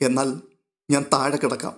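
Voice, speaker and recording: A tender, choked young woman, read out by a male narrator speaks softly and in a subdued way. The reader keeps close to his own voice in a storybook reading. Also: mid-range voice, little pitch movement, moderate pace, close to an everyday voice. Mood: tearful.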